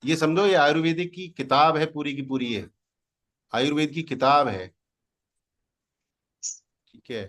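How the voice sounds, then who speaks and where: A man's voice: on the high side, a little slow, long pauses, fairly bright tone. Boastful man coaching an online class. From India. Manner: boastful, teasing, mixes English into Hindi. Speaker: digital marketing coach. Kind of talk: live online class demo.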